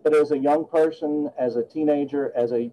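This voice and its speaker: A man's voice: fairly high pitch, fairly even intonation, a little fast, warm tone, slight background noise, rough recording. A man in his late fifties, a guest attorney talking earnestly and reflectively in a podcast interview. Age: 50s.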